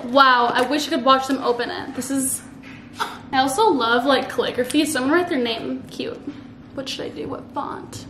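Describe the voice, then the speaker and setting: A woman's voice: sits high, normal speed, fairly bright tone. A young woman chatting to camera while wrapping gifts at home, bubbly and full of "like" fillers, recorded on a camera across a table. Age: young adult. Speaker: vlogger. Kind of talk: casual chat to camera. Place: living room at home, indoors. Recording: echoey room with background noise.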